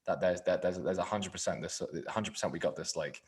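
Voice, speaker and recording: Man, podcast host, low voice, fast rambling talk, lots of fillers. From England. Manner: rambling, filler-heavy, trailing off quietly. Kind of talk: casual podcast chat.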